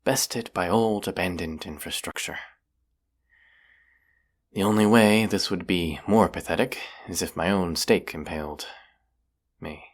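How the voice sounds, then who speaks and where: A man playing a cocky, self-deprecating young vampire hunter in a roleplay audio, with a gravelly, teasing, casually sarcastic delivery. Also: deep voice, a little slow, pauses often. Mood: resigned, self-mocking.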